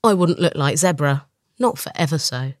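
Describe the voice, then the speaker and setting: A woman voicing a slow, fussy male leopard in a storybook tale, with a drawling, old-fashioned way of speaking. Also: deep voice, expressive, dry recording, clean studio sound, voice pushed down.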